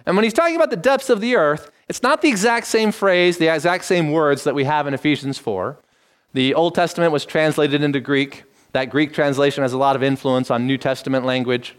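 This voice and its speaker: A middle-aged man preaching, teaching in a measured tone and lifting his voice to stress key phrases. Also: a little high. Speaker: pastor. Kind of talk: expository sermon.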